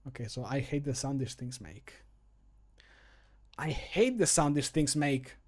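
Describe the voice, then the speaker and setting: A man's voice: medium pitch, expressive, a little slow. A man voicing a grim, disdainful adventurer in fantasy video game lines. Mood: disgusted. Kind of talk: video game voice-line acting.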